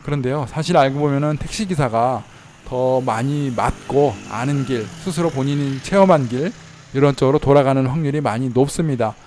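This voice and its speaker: A man giving casual travel tips in a chatty way, slowing down to spell out how words sound. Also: medium pitch, darkish tone, slight background noise. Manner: chatty, slows down to spell out pronunciations. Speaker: travel vlogger in Thailand. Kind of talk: casual explanatory talk. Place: inside a car while driving.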